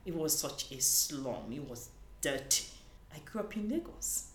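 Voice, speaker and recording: A woman from Nigeria talks in an earnest, searching way and restarts her thoughts often. Her voice sits a little low. The room is echoey, with a faint hiss underneath. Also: sing-song, unhurried. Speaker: conference panelist. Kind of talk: conversational interview.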